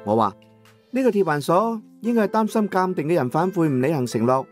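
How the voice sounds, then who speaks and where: A male audiobook narrator with a Cantonese accent tells a story in the first person. His voice is on the higher side for a man, with expressive, dramatized delivery. Faint music plays underneath. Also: brisk.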